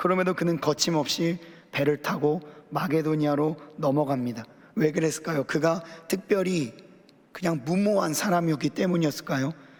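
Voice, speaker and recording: A man speaks in a fairly high voice with ordinary pitch variation. His loudness stays very even over noticeable background noise. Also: moderate pace. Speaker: pastor. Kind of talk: sermon. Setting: church.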